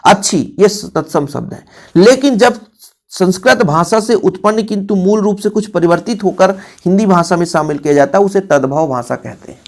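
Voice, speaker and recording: A man's voice: high-pitched, moderate pace. A man teaching an exam-prep grammar lesson to students, explaining by working through examples again and again and hitting key words with extra stress. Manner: explains by repeating examples, calls students "बच्चों".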